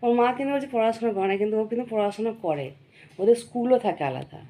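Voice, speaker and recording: A young woman speaks in a hoarse, cold-roughened voice with a dark, mellow tone. She talks casually to her viewers but in an earnest, preachy way. She keeps pausing to check that they are following. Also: fairly high pitch, expressive. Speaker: vlogger. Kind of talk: casual monologue to camera.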